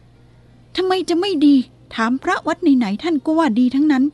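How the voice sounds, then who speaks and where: A woman voicing a haughty noblewoman who scolds in a shrill, indignant voice. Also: measured pace, dark tone, slightly rough, no room sound. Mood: scornful.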